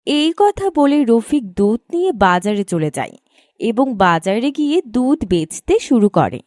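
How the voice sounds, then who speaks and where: A woman narrates a children's cartoon tale in a high, very animated voice. Her tone is soft and mellow, with faint music underneath. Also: normal speed, no room sound, clean studio sound. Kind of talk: scripted cartoon story narration.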